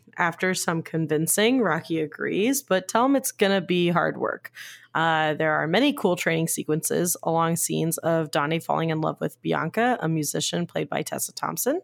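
A woman talks at a moderate pace in a fairly low voice with vocal fry, ordinary pitch variation, and hardly any pauses. The recording is very clean, with a silent background and a dry, close sound with no echo. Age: 20s. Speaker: movie podcast co-host. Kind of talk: casual chat.

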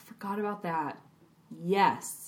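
A woman speaks over noticeable background noise. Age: 20s. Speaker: podcast co-host. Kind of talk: casual chat. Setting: home apartment recording.

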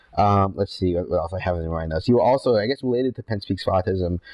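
A man talks at a very fast pace with a fairly low pitch and ordinary pitch variation. The sound is dry and close, with no echo. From Filipino-American. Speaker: podcast host. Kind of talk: casual interview. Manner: casual, filler-heavy.

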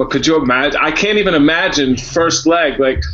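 A man delivers his words fairly quickly, his pitch varying in an ordinary way, while noticeable background noise carries on behind him. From New York. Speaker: podcast host, former reality show contestant. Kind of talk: casual chat.

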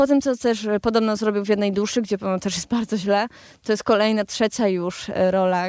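The sound is dry and close with no echo on a very clean recording with a silent background, as a woman with a fairly high pitch talks at a fairly quick pace. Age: 30s. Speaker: film studies student and radio film reviewer. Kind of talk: radio film review monologue. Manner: casual, hesitant with frequent fillers.

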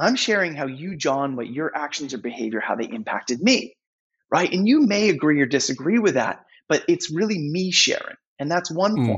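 At a fairly quick pace, a man with a fairly high pitch speaks in very wide pitch swings. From New England. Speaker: workplace culture speaker and author. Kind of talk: interview.

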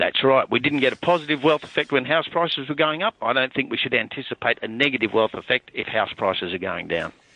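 A man talks at a medium pitch in an Australian accent, his intonation lively. He goes at a very fast pace with hardly any pauses. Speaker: market strategist. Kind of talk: interview. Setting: phone call.

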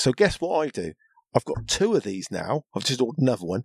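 A man speaks with a southern English accent. The recording is very clean, with a silent background and a dry, close sound with no echo. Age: 50s. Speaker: podcaster. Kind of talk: casual chat.

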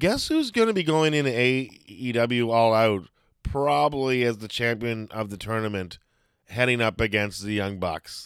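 A man uses a normal speaking voice at medium pitch, moving at a moderate pace with ordinary pitch variation. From Canada. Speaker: wrestling podcast host and comedian. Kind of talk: casual chat. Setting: remote call with co-host.

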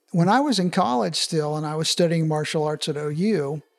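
At a fairly quick pace, a man speaks at a fairly high pitch with ordinary pitch variation, captured in a very clean recording with a silent background. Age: 60s. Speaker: martial arts grandmaster. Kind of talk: interview.

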